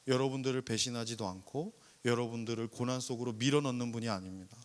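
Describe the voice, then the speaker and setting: A male pastor preaching to a young adults service, animated, firing rhetorical questions and acting out people's complaints and prayers. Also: medium pitch, quick pace. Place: church worship service.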